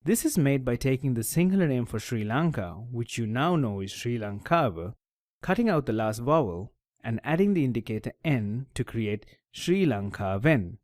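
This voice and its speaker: A man teaching a language lesson in a scripted voice-over, his pitch rising and falling with lively emphasis. He explains each step in a clear, methodical way. The recording is dry and close, with no room sound. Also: normal speed, no echo. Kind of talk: scripted tutorial narration.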